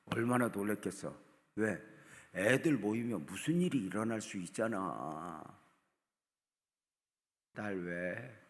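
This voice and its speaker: 전라도 억양의 나이 지긋한 남자 목사 설교. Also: male voice, on the low side, lively intonation, moderate pace. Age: older. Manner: storytelling preacher, swings from hushed to loud, acts out quotes. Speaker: guest revival preacher. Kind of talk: early-morning revival sermon. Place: church sanctuary. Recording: church sanctuary with long reverb.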